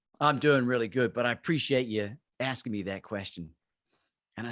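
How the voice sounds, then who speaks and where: A man with an Australian accent talks at a fairly quick pace in an animated, bright, sharp tone. The recording is very clean, with a silent background and a dry, close sound with no echo. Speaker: motivational speaker and coach. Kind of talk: storytelling presentation.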